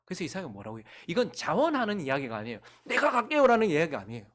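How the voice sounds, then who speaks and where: A middle-aged male pastor preaching a sermon, swinging from loud calls to hushed near-whispers and acting out quoted voices as he tells stories. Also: fairly high pitch, huge pitch swings, racing. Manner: acts out quoted voices in conversational storytelling.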